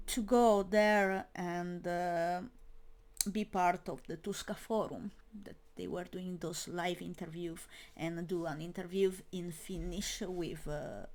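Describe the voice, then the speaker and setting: Slow, hesitant non-native woman. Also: on the low side, darkish tone. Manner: hesitant, many fillers and restarts; non-native English speaker. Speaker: metal media creator. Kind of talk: casual spoken monologue.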